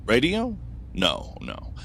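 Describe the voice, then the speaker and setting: An actor playing an engrossed, wry male scientist in an audio drama, joking and self-deprecating, excitable about his discovery. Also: medium pitch, slow pace, vocal fry, a little hiss or hum, full character voice. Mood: eager, explaining.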